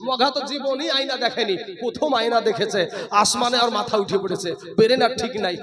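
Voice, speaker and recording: A man's voice: very high voice, a little fast, crowd noise. A man preaching a sermon, telling a humorous story and then chanting emotional appeals to young men. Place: religious gathering. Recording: echoey hall.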